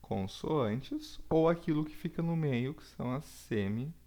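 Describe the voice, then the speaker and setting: A man, teaching a recorded lesson with slow, deliberate explanations and frequent checks for understanding. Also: on the high side, expressive, mellow. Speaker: Portuguese teacher.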